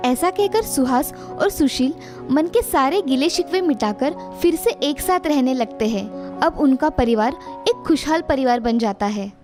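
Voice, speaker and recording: A woman narrating a moral cartoon story in a plain, steady storybook manner. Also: sits high, a little slow, over music.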